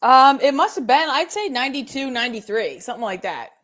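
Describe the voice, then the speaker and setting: A woman's voice: sits high, expressive, fairly quick, fairly bright tone. Breezy middle-aged American woman chatting. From eastern United States. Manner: giggly, breezy. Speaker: guest. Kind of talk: casual chat.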